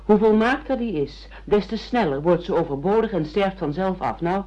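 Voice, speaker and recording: An actress in a radio play playing a zealous, exasperated daughter who lectures insistently like a strict tutor. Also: female voice, medium pitch, expressive, moderate pace, lightly acted. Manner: insistent, didactic. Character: exasperated zealous daughter drilling her father in communist doctrine. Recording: dull lo-fi radio play recording.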